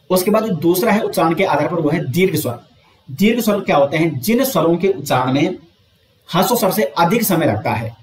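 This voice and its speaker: A man teaching an exam coaching lesson, explaining step by step, asking and answering his own questions, and drawing out sounds slowly to show them. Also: a little high, echoey room.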